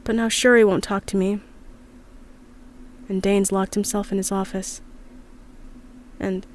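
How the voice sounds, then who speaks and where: A woman's voice: mid-range voice, flat delivery, unhurried, close to an everyday voice. An actress playing an upset, earnest young woman from an underground community, confiding hesitantly in an audio drama diary. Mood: sad, subdued. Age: young adult.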